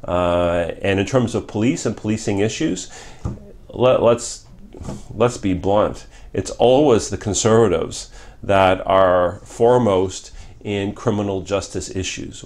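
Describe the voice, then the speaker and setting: Earnest low-voiced man, candidate interview. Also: darkish tone. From Canada. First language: Polish. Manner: earnest, repetitive, many restarts and fillers. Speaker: political candidate, former member of Parliament. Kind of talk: interview answers.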